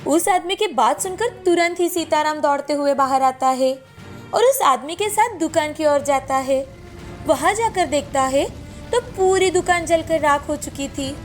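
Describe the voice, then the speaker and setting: High-voiced woman narrating a story. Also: normal speed, soft background music. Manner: steady, clear storytelling. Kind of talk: scripted narration.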